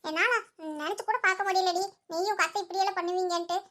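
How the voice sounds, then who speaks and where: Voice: extremely high pitch, steady tone, fast talker, sharp tone. Nila, a performer voicing a nosy village gossip. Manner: prying, lecturing. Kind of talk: cartoon voice acting.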